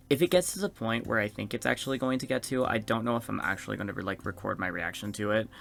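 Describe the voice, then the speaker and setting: Young man, lowish bright voice, let's play narration, casual reactive asides, faint music. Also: gravelly. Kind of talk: reading visual novel narration aloud with casual reactions. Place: small room indoors with gaming setup. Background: game music.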